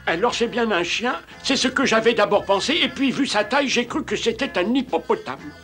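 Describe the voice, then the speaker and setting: An actor voicing a grumpy, theatrical old ghost who grumbles indignantly in a French cartoon dub. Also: male voice, high-pitched, lively intonation, brisk, fairly bright tone, faint music behind. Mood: exasperated. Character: grumpy, fussy old ghost who loves scaring old ladies.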